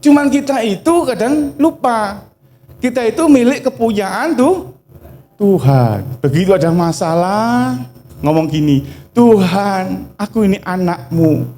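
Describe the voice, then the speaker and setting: A man with a Javanese accent preaching a lively, joking sermon. His voice sits high and swings widely in pitch, yet it has a mellow, dark tone. He mixes local words and playful asides into his preaching. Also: unhurried, a little hiss or hum. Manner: animated and humorous, acts out quoted prayers. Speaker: pastor.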